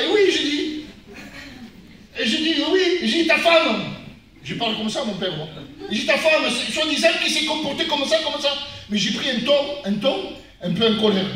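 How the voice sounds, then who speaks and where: A man with a high, bright voice preaches a sermon, sharing a family testimony and swinging from quiet asides to loud, lively outbursts. He sounds distant from the mic, and his voice rings through a very echoey church hall. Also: a little hiss or hum. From France. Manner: animated, rises loud and high when retelling events. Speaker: guest pastor.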